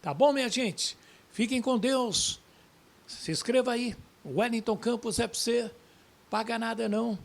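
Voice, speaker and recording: A man's voice: very high voice, measured pace, vocal fry. A man hosting a football news vlog, addressing viewers directly in a folksy way. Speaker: sports YouTube host.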